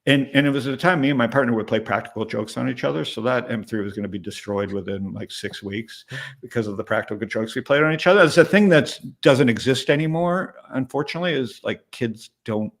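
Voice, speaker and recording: Fast and gravelly in a mid-range voice, a man in his late fifties speaks as a startup investor and interview guest. The chat is casual; he rambles candidly and keeps adding "right?"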